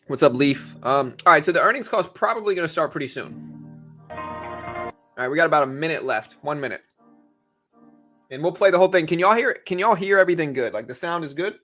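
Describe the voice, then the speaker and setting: A man's voice: fairly high pitch, lively intonation, quick pace, pauses often, sharp tone, soft background music. A man hosting a livestream, chatting casually and informally, speaking directly to his viewers. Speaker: livestream host.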